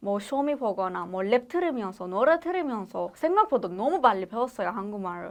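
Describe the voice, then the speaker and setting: With a quiet background, a woman speaks using very wide pitch swings. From Iran. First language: Persian (speaking Korean). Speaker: aspiring rapper. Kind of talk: interview.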